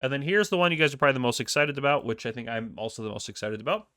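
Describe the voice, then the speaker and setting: A man's voice: mid-range voice, rapid-fire, sharp tone, dry recording, studio quality. Stuffy-nosed man chatting about a game. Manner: chatty, rambling with many ums. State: congested, stuffy from a cold. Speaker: gaming channel host. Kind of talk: casual game news commentary.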